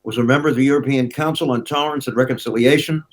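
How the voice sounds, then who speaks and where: An older man from the United States speaks over a video call, presenting an award in formal remarks. He talks in a measured, unhurried way, pausing between phrases, at an ordinary mid pitch. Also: steady tone, low-quality recording.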